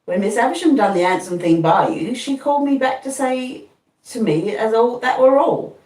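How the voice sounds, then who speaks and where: A woman doing a slow, earnest blacksmith. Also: fairly high pitch, expressive, a little mellow, pitched above the performer's own voice, close to an everyday voice. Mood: pondering. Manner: plodding rustic speech, earnest and repetitive. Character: kindly slow-spoken blacksmith man, middle-aged. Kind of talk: audiobook reading. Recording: roomy, distant mic.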